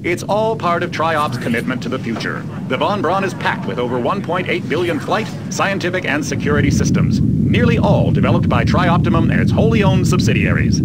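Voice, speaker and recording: Corporate space-age announcer: animated, grandiose salesman, over loud music. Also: a little high. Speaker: promotional announcer. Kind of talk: scripted promotional narration.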